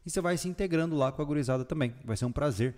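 A man hosting a casual podcast, relaxed and joking, recorded in a bare new house whose room still echoes. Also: fairly high pitch, very fast. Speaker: podcast host. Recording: long echo from a bare room.

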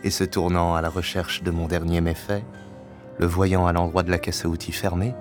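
A man playing a deep, brooding, obsessive widower. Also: little pitch movement, natural voice. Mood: agitated, scheming. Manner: solemn, deliberate, often sinking into breathy whispers. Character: obsessive, vengeful widower, grandiloquent, haunted by his lost wife. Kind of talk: dramatic monologue, literary audio fiction. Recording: binaural recording with music.

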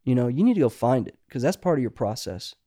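A man's voice: medium pitch, very animated, quick pace, mellow, no echo, clean studio sound. A middle-aged man, a songwriter guest, talking casually and rambling with many restarts. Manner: rambling, restarts often, says "you know" a lot. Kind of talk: casual podcast conversation.

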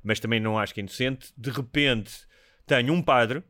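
A man's voice: medium pitch, brisk, no room sound, clean studio sound. A Portuguese man in his forties with a European Portuguese accent, chatting casually and telling stories with lots of "não é?" tags. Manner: storytelling, animated, with frequent "não é?" tags. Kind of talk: casual chat.

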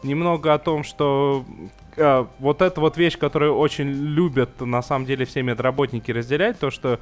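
A man's voice: mid-range voice, steady tone, normal speed, soft background music. A man co-hosting a podcast, rambling through his take on an episode with many fillers. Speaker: podcast co-host. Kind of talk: casual TV review chat.

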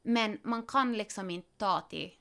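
A woman talks about family life in a relaxed, chatty podcast style. Her middle-pitched voice carries a steady gravelly fry. She tells stories in lively bursts, full of quick asides. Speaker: parent of three expecting a fourth. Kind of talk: casual podcast conversation.

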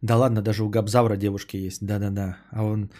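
Man, young adult, podcast host, casual chat, sarcastic, rambling, husky, mellow. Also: fairly low pitch, level tone, fast talker. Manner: sarcastic, rambling, trails off into mutters. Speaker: podcast host reading donations.

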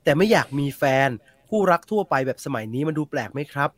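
A man's voice: on the high side, expressive, fast, dry recording. A man in casual co-host banter, jokey and teasing, mixing polite phrasing with swearing.

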